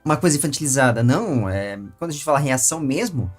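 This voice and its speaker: A Brazilian man with a husky voice works as an interviewer, offering long casual comments. His phrasing halts, then bursts into emphasis. There is faint music behind him. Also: mid-range voice, animated, fast talker.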